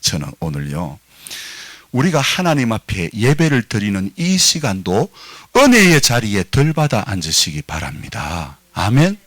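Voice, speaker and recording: A man's voice: fairly low pitch, huge pitch swings, unhurried, a bit bright, no room sound. A middle-aged man with a Gyeongsang Korean accent preaching a Sunday sermon, calling for amens and explaining dialect words to his congregation. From Gyeongsang province, Korea. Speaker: pastor. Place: church sanctuary.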